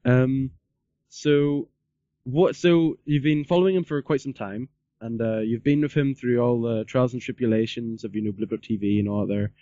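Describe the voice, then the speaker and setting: Male podcast host, casual and rambling, mellow tone, muffled lo-fi audio. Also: medium pitch, fairly even intonation, normal speed, dry recording. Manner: rambling, repeats himself, peppers talk with "like". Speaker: podcast interviewer. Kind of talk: casual interview chat.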